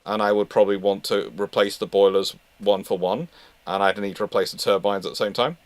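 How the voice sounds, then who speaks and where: A man answering history questions live in an informal way, thinking aloud in a halting, discursive manner. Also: lowish voice, fairly even intonation, no room sound.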